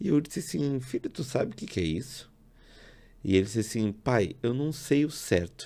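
A man's dark, mellow voice with vocal fry, very wide pitch swings, a moderate pace and long, frequent pauses. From Rio Grande do Sul, Brazil. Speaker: podcast host. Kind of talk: interview. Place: studio. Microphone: studio mic.

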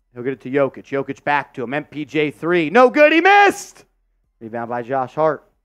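Faint music plays behind a man speaking. His delivery is animated and moderately paced. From Texas. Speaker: sports streamer. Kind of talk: live commentary. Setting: studio. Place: studio. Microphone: headset.

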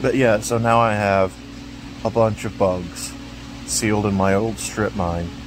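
A man speaks at a fairly slow pace with long, frequent pauses. There is noticeable background noise. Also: fairly low pitch for a man, ordinary pitch variation. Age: 20s. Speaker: gaming vlogger. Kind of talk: casual video diary. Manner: rambling with many fillers.

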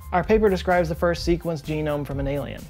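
A man speaks at a very fast pace with faint music in the background. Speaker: science video host. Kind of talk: educational commentary. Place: home room.

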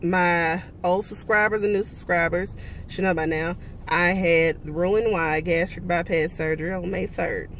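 An unremarkable speaking voice from a woman, fairly low in pitch, with fairly even intonation and a fairly slow pace, in a dry sound with no echo and light background noise. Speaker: vlogger. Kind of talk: casual vlog chat. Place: car.

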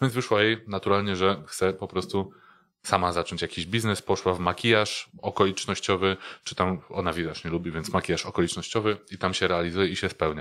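A man's very deep, low voice at a fairly quick pace, fairly even in intonation, against a quiet background. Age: 20s. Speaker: YouTuber. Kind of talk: casual chat. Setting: apartment. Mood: relaxed, anecdotal. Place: home room. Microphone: studio mic.

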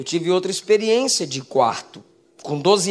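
His voice is high in pitch. The man talks at a moderate speed. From Ilhéus, Bahia, Brazil. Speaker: pastor preacher. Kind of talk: sermon with personal testimony; fervent, loud, pleading prayer at the climax of the sermon. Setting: church with congregation. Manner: fervent, crying-out, intense, rising in volume. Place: church. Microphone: handheld.

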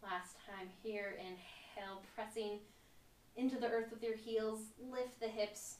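A woman speaks very slowly in a fairly high pitch, with monotone, flat intonation and audible room echo. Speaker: yoga instructor. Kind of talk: guided yoga instruction, calm step-by-step cues. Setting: video for a YouTube channel. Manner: soft, slow, soothing and unhurried; casual and friendly, with small filler words. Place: home room.

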